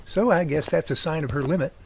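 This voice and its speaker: Man playing chatty son, slightly high voice. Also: quick pace, vocal fry, darkish tone, a little hiss or hum. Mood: chatty, wry. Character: chatty, good-humoured grown son. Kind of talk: amateur audio drama acting.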